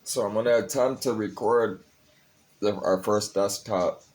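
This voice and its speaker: A man's voice: on the low side, fairly even intonation, measured pace, darkish tone. A young man talking casually and confessionally to his vlog audience, rambling, cursing freely and sounding tired. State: tired, a bit high. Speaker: vlogger. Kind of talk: casual personal vlog talk.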